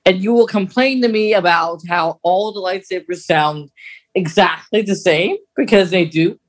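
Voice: medium pitch, moderate pace. A podcast co-host chatting casually about a radio drama, explaining things in a rambling, hesitant way.

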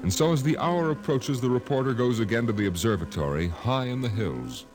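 An actor narrating a 1950s radio drama in a grave, terse, portentous style. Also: male voice, medium pitch, expressive, brisk, natural voice. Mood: ominous. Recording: old radio broadcast over music.

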